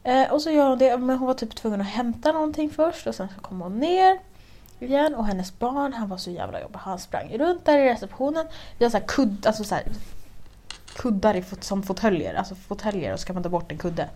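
A woman's voice: a little high, animated, dark tone. A young woman from Sweden in casual chat, telling a story animatedly, swearing and acting out quoted lines. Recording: faint background noise.

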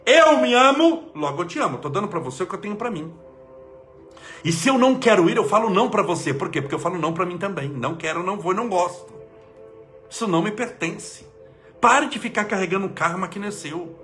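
A man, an energetic spiritual leader giving an emphatic inspirational talk and leading prayer. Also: high-pitched, quick pace, faint music behind.

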